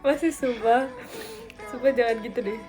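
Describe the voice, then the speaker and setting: A woman's voice: a little high, moderate pace, a little mellow, soft background music. A twenty-year-old woman on a casual live stream, reading out viewer comments and answering them in a playful, teasing way with a lot of giggling. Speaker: idol livestreamer.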